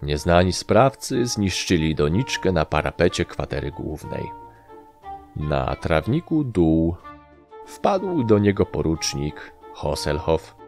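A man's voice: low voice, big pitch swings, takes it slowly, a little mellow, soft background music, exaggerated voice. A man voicing a tired, weary middle-aged army captain speaking with sighing reproach.

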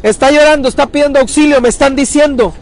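A man reporting live from a riverbank, urgent and talking fast, sometimes calling out loudly across the water. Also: very high voice, a little hiss or hum. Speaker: local news reporter. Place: outdoors at a riverbank.

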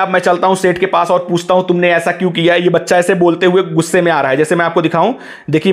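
Fast-talking high-voiced man tutor. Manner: instructive, keeps saying "look" to guide viewers. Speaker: tech tutorial host. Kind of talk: screen-recorded app tutorial. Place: voice-over on a phone screen recording.

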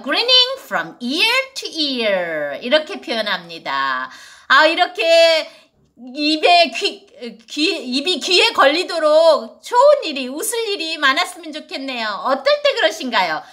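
Bright, lively woman teaching idioms. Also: high-pitched. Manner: slow, drawn-out model sentences, often laughing. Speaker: English teacher. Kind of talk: video lesson on idioms.

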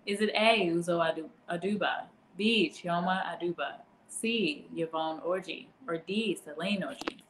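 A woman's voice: on the low side, normal speed, hardly any pauses. Chatty woman in her thirties, live trivia host, roomy webcam sound with a faint hiss. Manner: chatty, greets viewers by name, laughs often. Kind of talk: casual live-stream quiz hosting.

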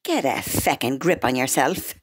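A woman's voice: extremely low pitch, lively intonation, moderate pace, husky, exaggerated voice. A woman voicing a touchy, stubborn Irish mother in a comedy radio play. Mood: indignant. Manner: indignant.

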